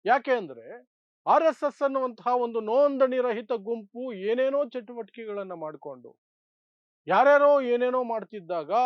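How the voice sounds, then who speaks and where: Male political commentator, high voice, emphatic and opinionated, repeats phrases for effect, dull close recording. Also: dry recording. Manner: emphatic, rhetorical repetition in short phrases. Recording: dull, dry lo-fi sound.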